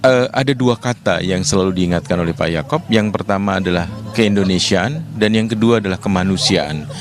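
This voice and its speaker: A man, a newspaper executive, answering a reporter's questions outdoors in a measured, reflective way with occasional fillers. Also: low-pitched, over music. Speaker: newspaper deputy chief, interviewee. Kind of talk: live interview answers. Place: outdoors at a cemetery.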